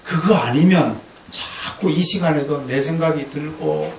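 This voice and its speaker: A male pastor preaching a lively lecture-sermon to a congregation, with humor and call-and-response. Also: on the high side, measured pace. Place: church sanctuary. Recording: echoey hall, distant mic, faint noise.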